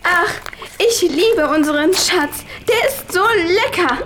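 A female performer playing an excitable leader of a cute animal gang, dramatic and exclaiming, in a children's story play. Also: very high-pitched, takes it slowly, noisy background, full character voice. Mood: adoring.

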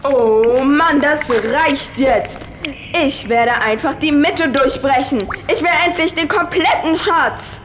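A female performer playing an excitable leader of a cute animal gang, dramatic and exclaiming, in a children's story play. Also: sits high, takes it slowly, background noise. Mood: impatient.

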